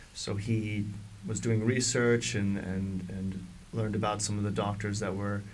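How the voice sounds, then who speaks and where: A man with a fairly low pitch, monotone, flat intonation and a fairly slow pace, in audible room echo. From Hong Kong. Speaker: business developer. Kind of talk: interview. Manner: halting.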